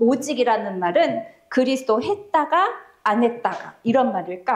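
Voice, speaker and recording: In a room with audible echo, a woman speaks in a high, animated voice with very wide pitch swings. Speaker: children's pastor. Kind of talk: sermon.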